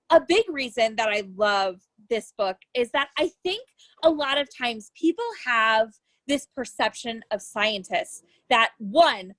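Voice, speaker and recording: A woman's voice: fairly high pitch, no echo. A woman science educator presenting a lesson for young children, explaining things in simple terms as she reads and demonstrates.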